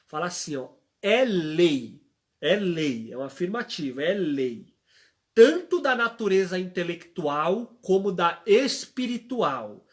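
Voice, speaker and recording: Young man preaching in a high voice. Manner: storytelling, acts out quoted voices; preacherly, rhetorical questions. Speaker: church worker. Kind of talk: religious testimony on a live stream.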